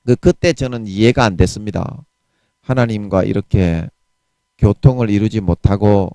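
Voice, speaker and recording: A man's voice: on the low side, warm tone, clear, resonant tone, dry recording. A man in his forties with a Gyeongsang Korean accent, preaching a sermon in a fiery, blunt way laced with harsh curses. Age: 40s.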